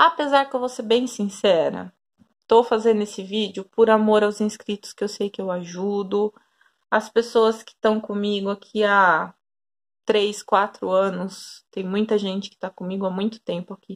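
The background is quiet as a woman speaks at a fairly slow pace with fairly even intonation. Her loudness swings widely. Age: 30s. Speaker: YouTuber. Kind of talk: casual vlog chat. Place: home room. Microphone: phone near.

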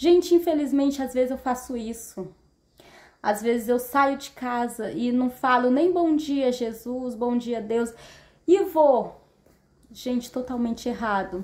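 This woman talks fairly slowly. Her high voice has ordinary pitch variation. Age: 30s. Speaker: YouTuber, trained teacher. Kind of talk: personal testimony. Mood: earnest, animated faith testimony. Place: home room. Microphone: phone near.

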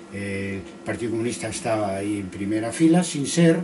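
Over noticeable background noise, a man with a fairly low pitch speaks with lively intonation. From Galicia, Spain (Vigo); Galicia, Spain. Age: 70s. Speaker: historian and professor; professor. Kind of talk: autobiographical interview. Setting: video call. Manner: hesitant, many fillers. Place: home room. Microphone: video call.

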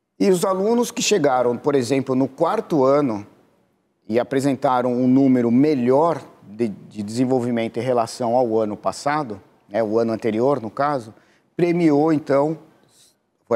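A man with a dark, mellow tone, ordinary pitch variation, and a moderate pace. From Brazil, Cotia (São Paulo state); São Paulo state, Brazil. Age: 50s. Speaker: mayoral candidate; candidate. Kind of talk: political interview. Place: studio. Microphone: lapel.

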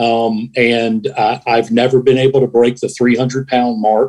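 Speaking very slowly, a man with a Southern US accent has a dark, mellow tone. The background is quiet. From US South. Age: 50s. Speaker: caller, military veteran. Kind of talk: casual chat. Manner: halting. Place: home room. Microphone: video call.

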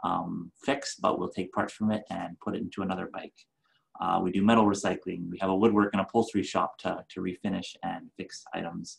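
The man speaks very fast. His intonation stays flat and monotone. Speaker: panelist. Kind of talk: panel presentation. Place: office. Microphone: webcam.

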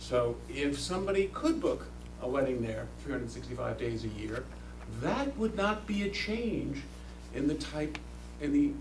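Amid noticeable background noise and audible room echo, a man with an American accent speaks at a moderate pace. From Southampton, New York. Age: 60s. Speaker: resident speaking at public hearing. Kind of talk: public comment at hearing.

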